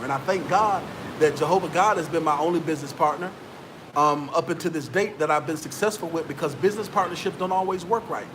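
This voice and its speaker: High-voiced man giving pep talk. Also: noisy background. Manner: preachy, repetitive, talks straight to viewers. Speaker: vlogger giving business advice. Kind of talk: motivational talk to camera.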